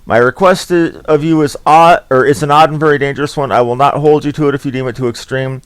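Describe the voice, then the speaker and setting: A man's voice: a little high, steady tone, fast, clean tone, no echo, natural voice. A man reading out a solemn lord priest in a formal, earnest manner. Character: solemn middle-aged male lord priest.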